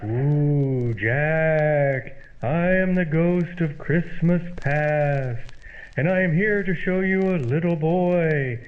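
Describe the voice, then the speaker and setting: A man's voice: on the high side, slow. A man voicing a solemn, wailing Christmas ghost in old-time radio comedy. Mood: spooky, solemn. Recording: muffled old-radio sound, faint noise.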